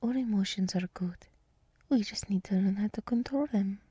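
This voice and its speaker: A woman voicing a gentle, soothing deer woman who guides meditation in a whispered ASMR roleplay, speaking softly and reassuringly close to the microphone. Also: medium pitch, no room sound, natural voice. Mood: earnest, tender. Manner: slow, soft, breathy, reassuring. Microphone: close microphone, dry.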